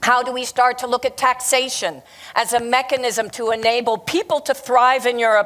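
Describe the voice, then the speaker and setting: At a moderate pace, a woman uses a normal speaking voice, fairly high in pitch with fairly even intonation. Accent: American. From California. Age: 50s. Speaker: think tank leader. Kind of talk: conference speech.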